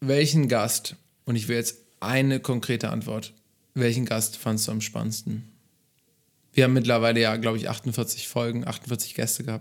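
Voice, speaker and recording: A man speaks in a monotone, flat intonation at a medium pitch and moderate pace, with long, frequent pauses. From northern Germany, Kiel. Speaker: podcast co-host. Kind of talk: casual interview chat.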